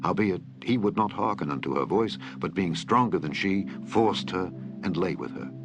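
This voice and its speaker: A man reading Bible scripture in a measured, solemn way. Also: sits low, lively intonation. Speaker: scripture reader. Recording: loud music bed under voice.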